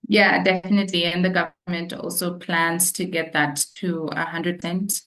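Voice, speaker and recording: Low, flat-voiced woman answering questions. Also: rough recording. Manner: halting, with repeated words. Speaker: guest expert on East African markets. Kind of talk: webinar Q&A answers.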